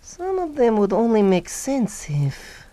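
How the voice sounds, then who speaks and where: An actor playing an earnest, incredulous younger mad scientist in a comic radio drama, hesitant and deliberate in delivery. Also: male voice, sits high, wildly swooping pitch, dark tone, no room sound, exaggerated voice. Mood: pondering.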